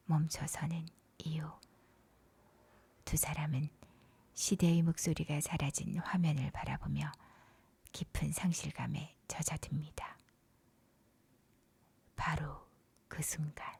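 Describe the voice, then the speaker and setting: A woman whispers a bedtime story softly and breathily, leaning into a gentle, unhurried narration with short pauses between phrases. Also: sits low, slightly rough. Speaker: narrator retelling a film story for sleep. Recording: soft music behind the whispering. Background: music.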